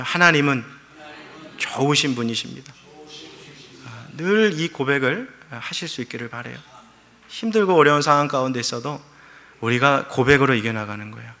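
A man's voice: mid-range voice, sharp tone. A middle-aged man preaching a sermon as pastor, telling a story with feeling and acting out quoted prayers.

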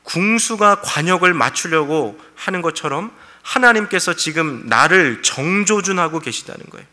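Male pastor, earnest sermon, bright tense voice, slightly high pitch, long hall reverb. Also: lively intonation, moderate pace. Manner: earnest, explains scripture verse by verse.

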